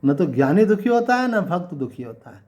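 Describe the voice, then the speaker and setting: Male swami, fairly high voice, chatty scripture sermon, asks the room questions, drawls out verses. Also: very animated, a little mellow. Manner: conversational, asks the listeners rhetorical questions; recites couplets slowly and drawn out. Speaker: swami giving a Gita discourse. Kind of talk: devotional sermon.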